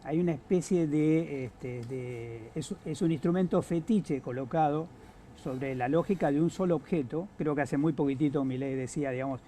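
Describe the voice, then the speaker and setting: A man with an Argentine accent, giving analysis on a political talk show, halting with many fillers and restarts. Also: on the high side, mellow, slight background noise. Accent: Argentine Spanish. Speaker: guest analyst.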